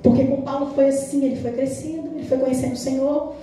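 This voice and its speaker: High-voiced Brazilian woman preaching in an echoey church. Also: quick pace. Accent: Brazilian Portuguese. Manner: animated storytelling, acting out quoted dialogue. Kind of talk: sermon. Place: church hall. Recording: very echoey church hall, mic at a distance.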